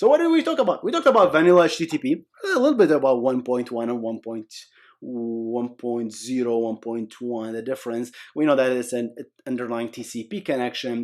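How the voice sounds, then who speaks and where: Talking at a fairly quick pace, a man speaks with a non-native accent. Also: medium pitch for a man, ordinary pitch variation. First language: not English. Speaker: tech educator. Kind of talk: tutorial. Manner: animated; casual.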